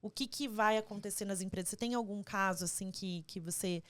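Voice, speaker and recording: A woman's voice: medium pitch, brisk. A woman from Paraná with a Curitiba accent, hosting a podcast in a chatty, upbeat way and often adding "né?". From Paraná, Brazil. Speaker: podcast host. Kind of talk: casual podcast interview.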